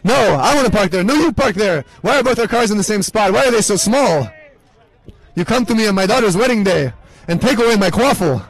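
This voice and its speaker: A man's voice: high-pitched, animated, quick pace, few pauses, husky, exaggerated voice. A male commentator doing a comic impression of an aggrieved old Italian mob boss. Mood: mock aggrieved.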